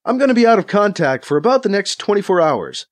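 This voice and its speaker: A man's voice: high voice, very animated, fast, voice pushed up. A man voicing a suspicious, sarcastic male Catholic priest with a wary, sardonic, terse way of talking, in a science fiction audiobook. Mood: firm, sarcastic.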